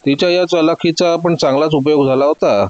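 A man narrating a detective story in a steady, dramatic reading. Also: a little high, brisk, no echo, muffled recording.

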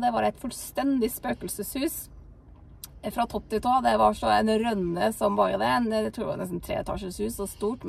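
A woman co-hosting a faith talk, telling a personal testimony in an animated way with many fillers. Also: mid-range voice, vocal fry, slightly rough, far from the mic. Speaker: co-host.

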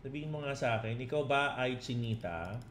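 A middle-aged man coaches crypto traders on a casual live stream, answering chat comments one by one. He talks at an ordinary middle pitch, switching back and forth between Tagalog and English, and checks in with 'no?' and 'di ba?' after nearly every point. A faint hum of room noise runs underneath him. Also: fairly quick, a bit bright.

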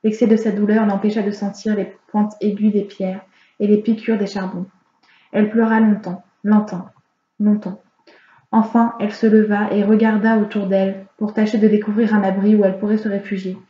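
A woman reading a fairy tale aloud as an audiobook reader, in a calm, measured storytelling manner. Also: mid-range voice. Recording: roomy, slightly dull home recording.

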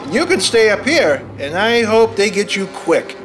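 An actor playing a bitter, cowardly, scheming husband in a radio play, snide and agitated. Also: male voice, high voice, big pitch swings, normal speed, a bit bright, soft background music. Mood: spiteful. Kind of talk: live staged radio play reading.

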